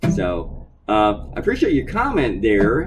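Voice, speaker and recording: Mumbling with very wide pitch swings, a man speaks in a room with audible echo and music in the background. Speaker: political cartoonist. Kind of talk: casual narration over time-lapse drawing.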